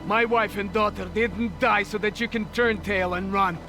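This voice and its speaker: An actor playing a grieving Soviet army captain who speaks in an indignant, accusing way. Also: male voice, sits high, fairly even intonation, moderate pace, lightly acted. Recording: game cutscene with loud music behind.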